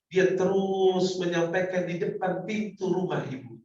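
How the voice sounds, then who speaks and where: A man preaching a sermon, telling stories dramatically and swinging from pleading outbursts to hushed lines. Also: sits high, normal speed. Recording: echoey hall, from far off, dull sound.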